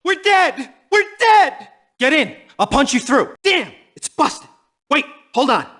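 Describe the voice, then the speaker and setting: Video game henchman: high-strung, yelping and panicky, very high voice with wild swings. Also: sing-song, takes it slowly, sharp tone, full character voice. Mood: panicked, urgent. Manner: frantic, yelping.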